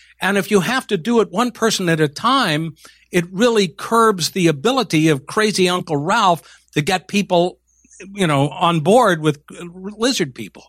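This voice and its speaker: In a very clean recording with a silent background, the talking goes at a moderate speed. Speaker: audience member asking question. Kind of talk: audience question.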